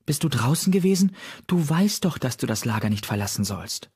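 A man's voice: mid-range voice, very animated, fairly quick, a little mellow, husky, voice pushed up, exaggerated voice. A man voicing an anxious she-cat who scolds a kitten in an audiobook. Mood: worried. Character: worried queen cat, a mother figure.

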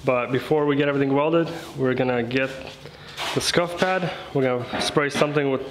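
In his thirties, a car rebuild vlog host chats casually to viewers in a medium-pitched, slightly quick voice, using informal, colloquial phrasing. He's recorded indoors in a garage workshop, with a roomy echo and faint background noise.

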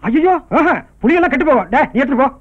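A middle-aged actor playing a village father who gives his daughter gruff orders. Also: very high voice, lively intonation, very fast. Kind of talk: 1990s film drama acting. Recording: husky phone-like film audio.

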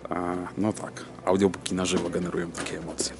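A man in his thirties talking casually to his camera as a vlog host, often halting to search for words. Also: low voice, little pitch movement. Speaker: video host. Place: large empty cinema auditorium, indoors. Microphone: camera at arm's length.

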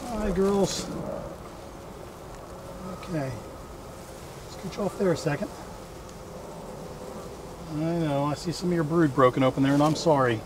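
Working at a hive outdoors in a wooded yard, a middle-aged man who hosts a beekeeping vlog speaks in a folksy, self-chatting way. His voice runs on the high side and a bit slow with long pauses, against audible outdoor ambience and buzzing insects.

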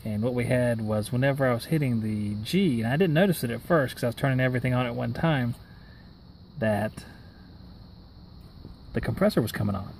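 A man's voice: mid-range voice, fairly quick, creaky, long pauses, a little mellow. Young tech man talking over machine hum. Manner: matter-of-fact, explaining as he works. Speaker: HVAC technician. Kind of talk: on-the-job how-to narration. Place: outdoors beside a rooftop-style AC unit in a yard. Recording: outdoor camera audio with machine noise.

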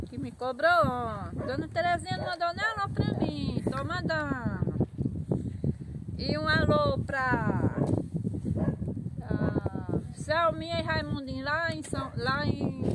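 An older woman with a Northeastern Brazilian accent from Pernambuco, chatting outdoors on a farm and cheerfully listing greetings. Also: high voice. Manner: cheerful, lists greetings in a steady singsong run. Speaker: interviewee. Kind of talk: casual chat. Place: outdoors on a rural farmyard. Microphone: handheld camera up close. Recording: loud outdoor noise.

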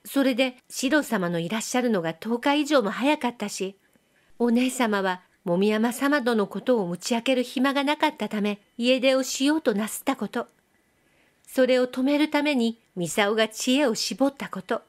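Brief: coy young girl with a soft nasal lilt, pitched high, as a woman reader puts her on. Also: moderate pace, lightly acted. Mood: teasing, lively. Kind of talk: audiobook reading.

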